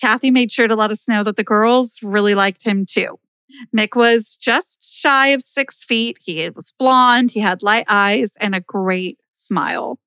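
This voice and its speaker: A woman tells a true crime story on her podcast, keeping it casual and loose. Her voice is smooth and clear, recorded close and dry. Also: mid-range voice, a bit bright, no echo. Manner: conversational storytelling with fillers. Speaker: podcast host.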